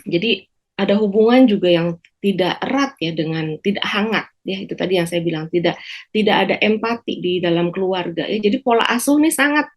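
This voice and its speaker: A woman psychiatrist explaining slowly on a talk show, with frequent pauses and fillers. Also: mid-range voice. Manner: measured, many hesitation fillers. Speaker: psychiatrist guest.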